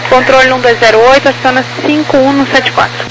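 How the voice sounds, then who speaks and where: High-voiced woman controller over noisy radio. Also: steady tone, brisk, fairly bright tone. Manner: terse, businesslike. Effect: over walkie-talkie style radio. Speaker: air traffic ground controller. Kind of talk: procedural aviation radio instructions. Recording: noisy radio transmission, vehicle-like background noise.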